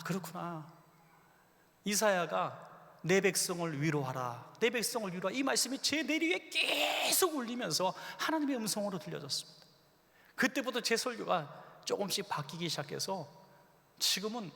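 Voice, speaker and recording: A man delivers a revival sermon in a church sanctuary, his raised, gravelly voice rising and falling dramatically. He acts out quoted lines as he tells stories. A long hall reverb trails every phrase. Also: sits high. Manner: animated storytelling preacher, acts out quoted voices. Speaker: pastor.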